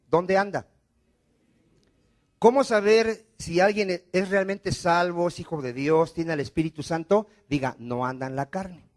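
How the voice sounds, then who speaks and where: Male pastor, sermon, call-and-response, high voice, rhetorical questions. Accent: Mexican Spanish.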